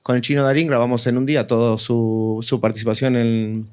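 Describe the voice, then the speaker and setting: A man's voice: medium pitch, flat delivery, a little fast, a little mellow, clean tone. Man explaining his craft on a panel. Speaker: audio fiction writer-director on a discussion panel. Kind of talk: casual panel talk about craft.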